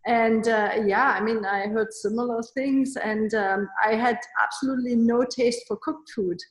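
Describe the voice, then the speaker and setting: A woman's voice: on the high side, fairly even intonation, normal speed. A woman from eastern Germany, hosting a casual interview and chatting with many "you know"s. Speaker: host. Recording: roomy echo.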